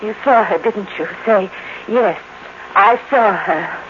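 An actress playing a possessive, unstable housewife with an intense, deliberate, commanding delivery in a 1950s radio drama. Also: female voice, medium pitch, close to an everyday voice. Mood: jealous, menacing. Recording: dull noisy old radio recording.

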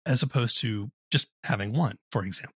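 Slightly husky male podcast interviewer. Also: mid-range voice, a little fast, a bit bright, no echo, studio quality. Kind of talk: thoughtful, conversational interview talk.

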